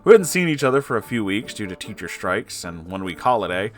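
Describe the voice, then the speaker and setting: A man with a fairly low, sing-song voice reads Reddit stories as host, narrating an online tale briskly, expressively and conversationally, with asides of his own. Soft music plays in the background.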